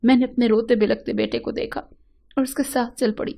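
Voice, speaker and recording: A woman's voice: fairly high pitch, steady tone, fairly quick, gravelly, dark tone. A woman reading a sad first-person story aloud in an earnest, emotional manner.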